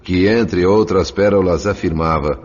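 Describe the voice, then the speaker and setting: A man with a Brazilian accent voicing a grave spirit narrator in a dramatized audiobook, telling the story in a measured, formal way. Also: deep voice, a little mellow, lo-fi sound. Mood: solemn storytelling.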